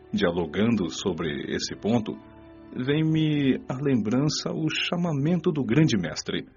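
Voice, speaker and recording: Man acting solemn spirit mentor, lively intonation. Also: fairly low pitch. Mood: reverent. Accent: Brazilian. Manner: solemn, didactic, measured with dramatic pauses. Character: Maurício, gentle, wise male spirit mentor. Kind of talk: audiobook radio-play dialogue, preaching counsel. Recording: dull lo-fi audio with music behind. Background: music.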